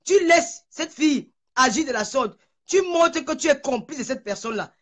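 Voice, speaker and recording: A woman's voice: sits high, expressive, normal speed, fairly bright tone. A woman in a heated online video rant, furious and shaking with anger, hurling insults and stammering over repeated words. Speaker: social media personality.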